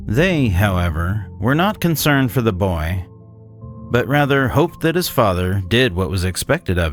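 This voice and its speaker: A man playing a cynical, disdainful 1800s swindler, narrating a gothic horror tale in a measured, condescending way. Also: on the low side. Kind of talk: scripted dramatic horror narration.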